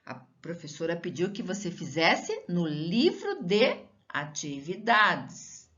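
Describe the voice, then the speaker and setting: Woman teacher from Brazil, low-ish voice, very animated pitch, patient questions to young pupils. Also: lo-fi sound. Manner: slow, drawn-out teacher talk with rising questions to the pupil. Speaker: schoolteacher. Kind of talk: recorded lesson for children.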